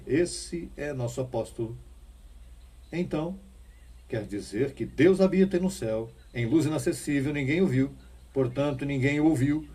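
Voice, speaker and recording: Male preacher, dark husky voice, emphatic sermon delivery, mic a little distant. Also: mid-range voice. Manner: emphatic preaching, rising bursts and rhetorical questions.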